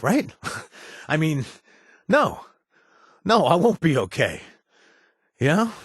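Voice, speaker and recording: A man's voice: sits low, husky, no echo, heavily acted. An actor playing a blunt, earnest former raider searching for his lost brother, with a dry sense of humor. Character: former raider man, gruff but loyal, hunting for his lost brother. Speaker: game companion character. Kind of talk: video game voice acting.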